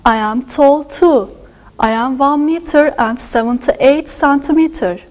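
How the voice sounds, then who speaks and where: A woman's voice: high-pitched, measured pace, a little mellow. A woman serving as a class assistant, answering the teacher with short, careful replies.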